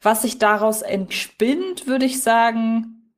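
A woman with a fairly high voice co-hosts a podcast. She talks in a casual, conversational reviewing style. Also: takes it slowly. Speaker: podcast host.

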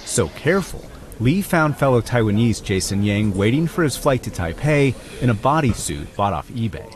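A man's voice: mid-range voice, very animated, normal speed. A man narrating a news report in scripted broadcast style. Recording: broadcast clip with faint background noise.

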